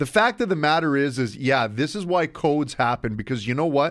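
A man talks at a fairly quick pace in a fairly high voice. His intonation is lively, and the recording is very clean with a silent background. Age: 40s. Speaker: sports radio co-host. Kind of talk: casual sports chat. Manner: animated.

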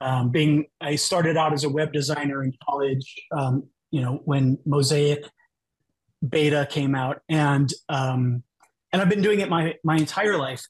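Somewhat breathy and fairly high in pitch, a man speaks at a fairly slow pace with fairly even intonation, in a dry, close sound with no echo. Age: 50s. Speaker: digital product strategist and amateur maker. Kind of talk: casual interview chat about tools. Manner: hesitant, many fillers and restarts.

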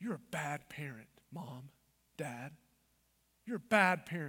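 A man's put-on character voice, fairly high in pitch, with lively intonation and a fairly slow pace. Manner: harsh, accusing.

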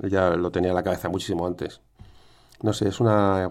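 Over a very clean recording with a silent background, a man speaks at a moderate pace with a fairly low pitch, a dark, mellow tone and fairly even intonation. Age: 50s. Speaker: history podcaster. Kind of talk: history storytelling monologue. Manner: halting, many fillers.

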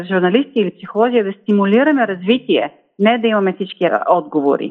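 A woman talks in an ordinary speaking voice. Her pitch is medium and her intonation lively. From Bulgaria. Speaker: psychologist. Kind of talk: interview.

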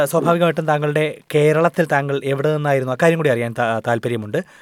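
This is an unremarkable speaking voice with fairly even intonation. The sound is dry and close, with no echo. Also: man. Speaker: radio podcast host. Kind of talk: interview.

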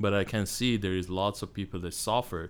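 Speaking with an Iranian-Armenian accent, a man keeps a fairly low pitch. His pace is moderate and his intonation fairly even. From Iran, ethnic Armenian. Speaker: church member speaking on Armenia. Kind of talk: casual discussion. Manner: halting.

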